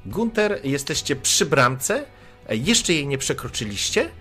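A man's voice: on the high side, very animated, measured pace, a bit bright, faint music behind. A man running a tabletop role-playing game as game master, narrating with lots of hesitant fillers.

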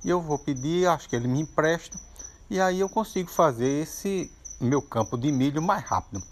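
Man voicing a crafty rural trickster, lively. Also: fairly high pitch, moderate pace, a little hiss or hum, close to an everyday voice. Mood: scheming. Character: poor, crafty country man of folk tale.

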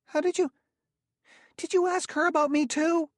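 A man's voice: very animated, moderate pace, no echo, clean studio sound. A man voicing a nervous, aggrieved spacer in an audiobook, flustered and defensive in manner. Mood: anxious, defensive. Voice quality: squeaky when agitated. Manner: flustered, pleading, stammering, defensive. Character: nervous, aggrieved male spacer, fretful and whiny. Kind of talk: audiobook character dialogue.

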